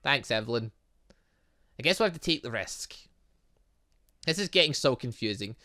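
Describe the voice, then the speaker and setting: This man has a mid-range, sharp-toned voice with lively intonation at normal speed. Hosting a gaming video, he reads a story game's dialogue aloud, adds casual asides, and frequently trips over words before self-correcting.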